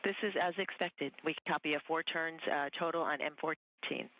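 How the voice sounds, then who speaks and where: A woman's voice: deep voice, steady tone, normal speed. A woman working as spacewalk communicator, giving clipped procedural readbacks and instructions over a mission radio comm loop. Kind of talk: mission control radio calls. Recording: muffled radio loop audio.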